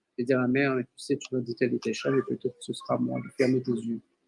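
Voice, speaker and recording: A man speaks with monotone, flat intonation in a dry, close sound with no echo. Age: 60s. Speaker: interviewee. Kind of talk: interview conversation.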